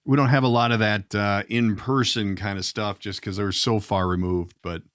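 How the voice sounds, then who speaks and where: A man's voice: fairly low pitch, fairly even intonation, moderate pace, a bit bright, clear, resonant tone, no echo, clean studio sound. A middle-aged man hosting a podcast, asking questions in a casual, rambling, informal way. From Minnesota. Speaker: podcast host. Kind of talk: casual interview chat.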